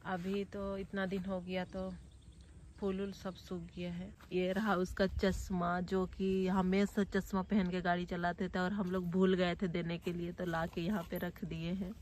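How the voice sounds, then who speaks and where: A young woman vlogger talking quietly and sadly, standing outdoors near family graves. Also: lowish voice, little pitch movement, slight background noise. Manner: subdued, grieving, speaks slowly and softly. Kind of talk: personal vlog talk.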